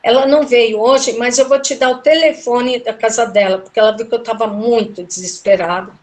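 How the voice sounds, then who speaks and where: Woman, middle-aged, fairly high voice, casual storytelling, emotional, acts out quoted dialogue. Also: steady tone, a little fast, darkish tone. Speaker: guest telling a personal story.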